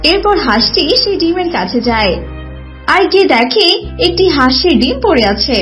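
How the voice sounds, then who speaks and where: A woman's voice: extremely high pitch, very animated, moderate pace, fairly bright tone, faint music behind. A woman narrating a scripted children's story.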